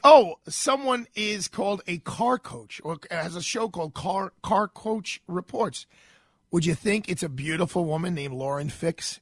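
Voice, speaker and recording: Bright, energetic man hosting radio talk. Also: sits high, no room sound. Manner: energetic, effusive introductions. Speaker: radio talk show host.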